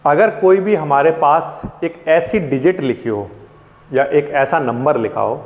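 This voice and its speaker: A man's voice: on the high side, a little mellow. A man teaching a classroom maths lesson in Hindi mixed with English words, asking his pupils questions and then answering them himself. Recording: dull echoey classroom recording.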